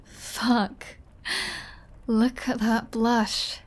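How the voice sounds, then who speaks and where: Slow-talking, teasing vampire woman played by an actress. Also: on the high side, level tone. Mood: playful, flirty. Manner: slow, teasing, playfully threatening. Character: flirty, teasing, possessive female vampire. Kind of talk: intimate ASMR roleplay audio drama.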